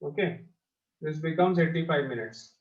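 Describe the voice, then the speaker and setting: South asian guy teaching maths class, highish voice, says things twice, muffled echoey sound. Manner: repeats phrases slowly for pupils. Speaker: mathematics teacher. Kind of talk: online maths lesson, explaining step by step. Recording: dull, echoey lo-fi class audio.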